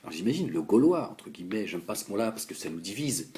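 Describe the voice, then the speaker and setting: Young man from France, political commentator, talking in a low voice with big swings in pitch, stop-start and repetitive. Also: slight background noise. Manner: animated, halting, repeats words, addresses the politician directly. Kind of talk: heated political monologue.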